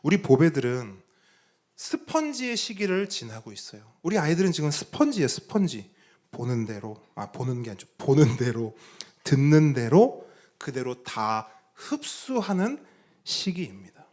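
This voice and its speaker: A middle-aged man preaching a sermon as a pastor. He tells a story in an animated way, acts out the voices of the people he quotes and asks the congregation questions. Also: on the high side, moderate pace. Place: church sanctuary.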